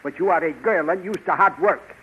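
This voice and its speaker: A man's voice: on the high side, a little fast, close to an everyday voice. A man playing a formal, considerate scientist in a 1930s radio drama, with stilted phrasing. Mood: calm. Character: middle-aged male scientist, formal and considerate. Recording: muffled old 1930s radio recording with hiss.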